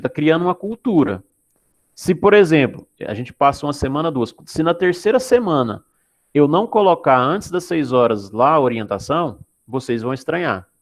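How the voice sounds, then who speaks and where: Gravelly-voiced man teaching an online class. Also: medium pitch. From Goiás, Brazil. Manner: explanatory, checks in with students often. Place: Anápolis, Brazil.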